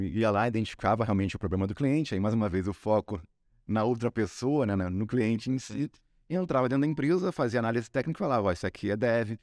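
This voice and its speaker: Fast-talking Carioca man, low voice. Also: darkish tone, dry recording, studio quality. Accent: Carioca Brazilian Portuguese. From Rio de Janeiro, Brazil. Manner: chatty storyteller, frequent tag questions. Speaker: guest, sales executive. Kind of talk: casual podcast interview.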